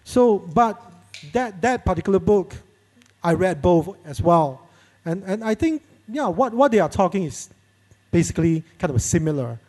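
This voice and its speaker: A man whose first language is Chinese, answering haltingly as he searches for words. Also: high-pitched, big pitch swings, a little mellow.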